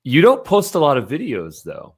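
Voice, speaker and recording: A man's voice: a little high, wildly swooping pitch, normal speed, breathy edge. A man hosting a podcast, asking questions in an enthusiastic, complimentary, casual way. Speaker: podcast host. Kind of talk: interview questions, casual chat.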